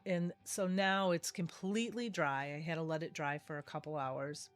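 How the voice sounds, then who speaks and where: A woman's voice: low-pitched, fairly even intonation, normal speed, faint music behind. A middle-aged woman, nasal from a cold, chatting her way through a craft tutorial and often correcting herself. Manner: chatty, rambling, self-correcting. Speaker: craft video host. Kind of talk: casual craft tutorial voice-over.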